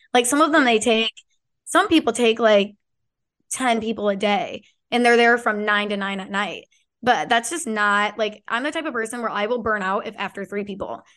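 With an American accent and an ordinary speaking voice, a woman talks at a moderate pace with ordinary pitch variation against a quiet background. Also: fairly high pitch for a woman. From Illinois, south of Chicago. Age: 20s. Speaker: hairstylist. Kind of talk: casual chat. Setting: video call.

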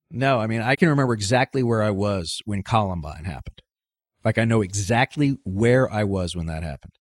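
A man with a normal speaking voice talks fairly quickly at a fairly low pitch, his intonation lively. The recording is very clean with a silent background, the sound dry and close with no echo. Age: 40s. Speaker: political podcast host. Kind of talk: interview podcast.

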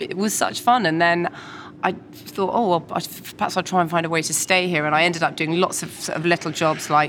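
A woman with an English accent at a very fast pace, with noticeable background noise. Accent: posh English (RP). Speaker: newspaper columnist. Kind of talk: casual chat. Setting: restaurant. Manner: animated.

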